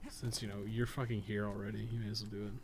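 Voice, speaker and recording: While playing a game, this podcast co-host keeps up rambling, think-aloud commentary peppered with casual swearing. He talks fast in a lowish voice, and steady background noise is clearly audible.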